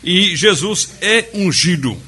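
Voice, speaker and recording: A man with a foreign accent in Portuguese, teaching a Bible study to a group in a conversational way, with pauses and questions to the audience. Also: sits high, expressive, bright, forceful tone, husky. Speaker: pastor.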